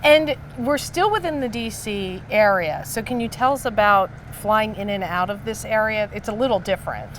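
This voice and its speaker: A woman's voice: mid-range voice, normal speed, hardly any pauses, slight background noise. A woman hosting an on-location interview as a presenter. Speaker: host.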